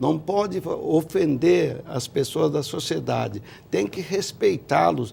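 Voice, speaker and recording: Fairly high in pitch yet dark and mellow in tone, a man speaks at a fairly slow pace with vocal fry and lively intonation. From Brazil, São Paulo area, Japanese-Brazilian family. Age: 70s. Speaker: former state legislator. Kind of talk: interview.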